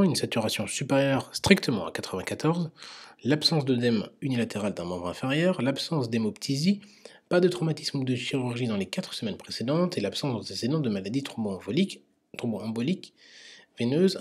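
A man's voice: medium pitch, husky. A man teaching emergency medicine through a multiple-choice case, explaining answers with frequent hesitations. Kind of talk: quiz-style medical lecture.

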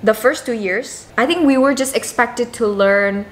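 A woman's voice: a little high, moderate pace. Young indonesian woman on a video call, easygoing and rambly, earphone mic, faint hiss. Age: young adult. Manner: relaxed, trailing phrases with many fillers. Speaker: host. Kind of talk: casual video-call chat. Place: room indoors.

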